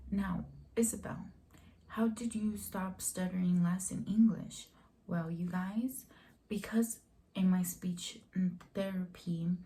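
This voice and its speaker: A young woman with a Mexican accent who stutters, talking casually to her vlog camera in a soft, breathy voice. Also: on the low side. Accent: Mexican Spanish. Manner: stuttering, with short pauses and fillers. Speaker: vlogger.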